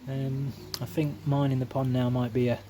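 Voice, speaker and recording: Here a male koi keeper narrates a laid-back vlog from his back-garden pond, full of fillers and homely chatter. He speaks at normal speed in a warm, mid-range voice with flat delivery. A little hiss or hum rides on the camera mic, which goes from handheld to tripod and back.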